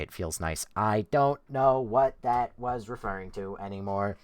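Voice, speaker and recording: A man's voice: low-pitched, dry recording, clean studio sound. Sarcastic young man streaming a game. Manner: sarcastic, yelps and shrieks in panic at the game. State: losing his voice. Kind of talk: live gameplay commentary reading chat.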